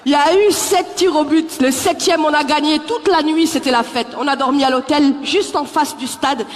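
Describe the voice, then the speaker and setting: A woman from the Paris suburbs doing a live stand-up set. She is lively and teasing and talks straight to the audience. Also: high-pitched, moderate pace. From Paris suburbs, France. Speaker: stand-up comedian. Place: live comedy stage in a theatre. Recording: echoey hall, faint crowd noise.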